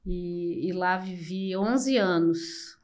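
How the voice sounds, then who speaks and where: An older woman from Brazil, a podcast guest telling her life story slowly and reflectively, with many pauses. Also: fairly low pitch, a little mellow. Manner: slow, reflective, with frequent pauses and fillers. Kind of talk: personal storytelling in an interview.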